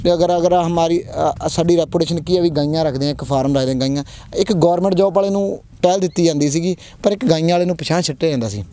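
A man's voice: fairly high pitch, racing, dark tone. A young man with a Punjabi accent, a dairy farmer giving an earnest outdoor interview and repeating his points. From Punjab, India. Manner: earnest, repeats phrases, rallying young people. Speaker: prize-winning dairy farmer. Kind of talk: on-camera interview. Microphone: handheld mic held by interviewer.

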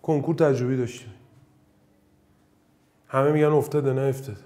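A man from Iran teaching an exam-prep math lesson, joking and swinging between loud bursts and low muttering. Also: fairly even intonation.

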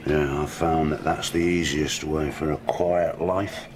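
A man's voice: a bass voice, fairly even intonation, a little slow, a crowd in the background. An actor playing a bitter, sullen drunken man in a TV drama. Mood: drunk, gloomy. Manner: sullen, accusing. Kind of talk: naturalistic TV drama acting.

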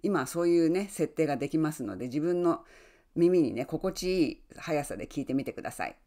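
A woman who works as an online English coach, giving friendly, encouraging advice and often adding soft tag words as she talks. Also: sits low, lively intonation, brisk. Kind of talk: advice talk to camera.

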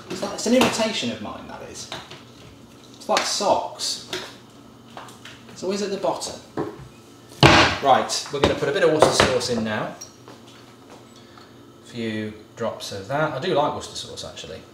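A man in his thirties hosts a home cooking video from his kitchen, chatting casually and rambling off into jokes as he cooks. He is very animated and speaks at a normal speed with frequent pauses in a mid-range voice. A camera mic set back in the echoey kitchen catches heavy background noise.

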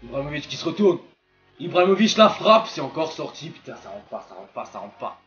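A young man with a fairly high voice talks through a football game he is playing. His commentary is casual and slangy, full of exclamations and swearing. The sound is a bit dull and lo-fi, with music underneath. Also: big pitch swings, a little fast, fairly bright tone. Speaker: gaming video creator playing a football game. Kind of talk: casual excited gameplay commentary. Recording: dull lo-fi voice track with music behind.

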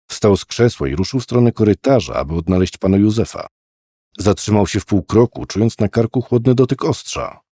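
Deep-voiced male audiobook narrator. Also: mellow, breathy edge, dry recording, clean studio sound. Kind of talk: scripted narration.

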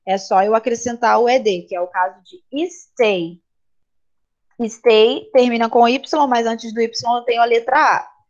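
A woman teacher with a Brazilian Portuguese accent explains grammar to her class, stopping often to check that students follow. Her voice sits fairly high. The audio is slightly dull and lo-fi, as from a computer mic in an online class. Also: steady tone, measured pace. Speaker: English teacher.

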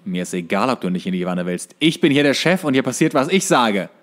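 A man's voice: mid-range voice, big pitch swings, fast, lightly acted. Exasperated, bossy male cartoon pet owner, put on by a man in casual retelling.

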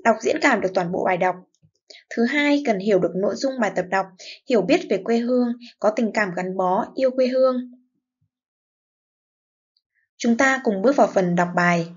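A woman teacher giving a reading lesson to young pupils, with slow, clear, expressive model reading and word-by-word explanations. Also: medium pitch, highs cut off. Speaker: primary school teacher.

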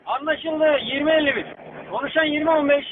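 A man's voice: very high voice, fairly quick. A man working as a radio dispatcher over a walkie-talkie, calling out unit codes and giving terse, urgent orders. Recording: tinny radio with static.

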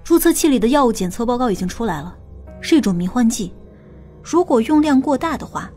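A woman playing a stern, knowing female investigator in an audiobook, with a brisk, assertive manner. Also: fairly high pitch, lively intonation, a little mellow, faint music behind, natural voice. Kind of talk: audiobook character dialogue.

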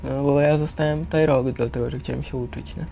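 Young lad, mid pitch, pretty flat and relaxed, slangy, faint noise. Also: male voice, a little fast, vocal fry, highs cut off. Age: teenager or young adult. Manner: slangy, tags phrases with a questioning filler. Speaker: resident of a youth care centre. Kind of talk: candid casual personal account.

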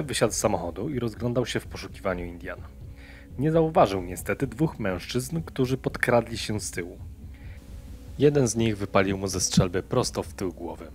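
A man reading a scripted true-crime story in a measured storytelling manner. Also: deep voice. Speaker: narrator of a true-crime channel.

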